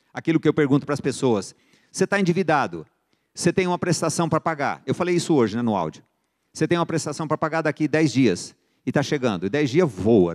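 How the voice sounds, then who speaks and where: A middle-aged man with a Brazilian accent teaching a church finance course, telling stories and acting out buyers and sellers in the dialogues. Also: medium pitch. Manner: lively storyteller who acts out buyer and seller dialogues. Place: church sanctuary. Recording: long church reverb.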